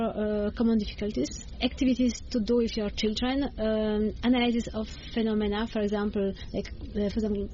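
A woman's voice: on the high side, mellow, a little hiss or hum. A woman whose first language is Polish, speaking English with a Polish accent as a bilingual education coach, explaining earnestly with frequent hesitations. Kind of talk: interview answers. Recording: slightly dull with faint ambience.

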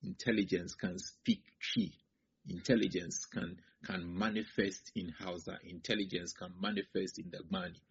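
Husky man, measured professor. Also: low voice, fairly even intonation. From Ghana. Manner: measured, lists points in order, firm conclusions. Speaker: associate professor of linguistics, interview guest. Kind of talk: explanatory interview answers. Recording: slightly muffled broadcast audio.

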